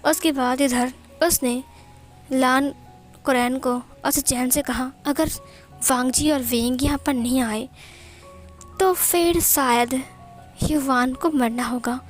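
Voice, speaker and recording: A woman's voice: sits high, steady tone, slow, long pauses. A woman narrating a fan fiction story, reading all the dialogue in her own voice with little acting. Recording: faint background music.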